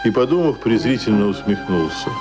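An actor playing the grave narrator of a tragic radio play, reading literary prose in a solemn, measured way. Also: male voice, lowish voice, expressive, lightly acted. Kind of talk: dramatic scripted narration. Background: prominent music.

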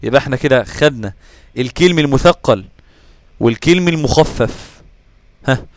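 A man with an Egyptian Arabic accent teaching Quran recitation rules, checking whether listeners follow with quick questions and answering his own questions. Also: mid-range voice, lively intonation. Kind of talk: explaining tajweed rules to students.

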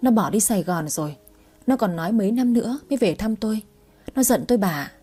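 A woman's voice: medium pitch, lively intonation, brisk, dark tone, husky, soft background music. A woman voicing a grieving, stubborn old village mother who pleads tearfully. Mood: plaintive.

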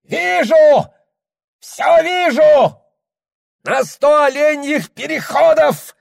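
A man voicing a frenzied old shaman in a trance, chanting and crying out in hoarse, wild shouts. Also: sits high, very animated, very slow, no echo, clean studio sound, pitched above the performer's own voice, full character voice. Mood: screaming.

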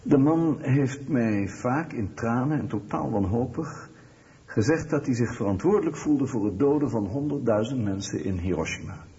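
Echoey, distant actor as an earnest doctor. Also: male voice, mid-range voice, animated, moderate pace, warm tone, natural voice. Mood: grave, reluctant. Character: earnest male doctor speaking gravely about a patient. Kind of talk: Dutch radio documentary drama acting. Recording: echoey hall, distant muffled sound.

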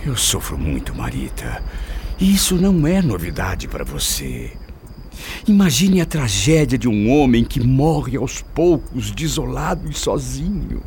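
An actor playing an embittered, self-pitying middle-aged father in a Brazilian radio melodrama, theatrical and anguished, moving between hushed confiding and outbursts. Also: mid-range voice, a little hiss or hum. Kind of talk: melodramatic radio play acting.

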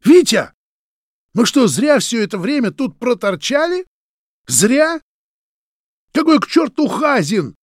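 A man voicing a hot-tempered young man who shouts in a strained, raised voice, in an audiobook. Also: fairly high pitch, lively intonation, a little slow, dry recording, studio quality, pitched above the performer's own voice. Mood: enraged. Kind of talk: audiobook character voice.

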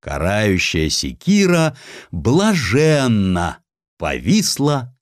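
A man reading a historical story as an audiobook narrator, in a measured, expressive literary style. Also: fairly low pitch, no room sound, studio quality.

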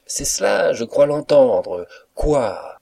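A man voicing a pretty young cook who mocks and laughs as she teases, raising his voice high. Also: big pitch swings, takes it slowly, vocal fry, dark tone, husky, heavily acted. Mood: laughing mockery. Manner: mocking, playful, high-pitched. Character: giggling, teasing pretty young cook woman.

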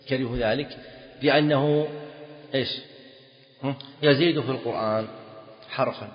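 A man teaching Islamic law in a lecture, quizzing students and repeating key phrases. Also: mid-range voice. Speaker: Islamic scholar teaching fiqh. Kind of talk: classroom lecture on a text. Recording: dull lo-fi audio in a reverberant hall.

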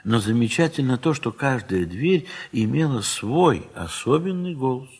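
A man narrating a classic literary story for an audio play in a measured, expressive manner, with a husky voice. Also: mid-range voice. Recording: 1970s mono studio recording.

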